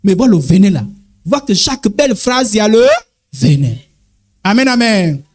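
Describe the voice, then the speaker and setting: A man preaching an animated sermon as an apostle, exclaiming and calling "amen, amen" to the congregation, swinging his pitch up and down for emphasis. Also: normal speed. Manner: swings sharply between high and low pitch for emphasis.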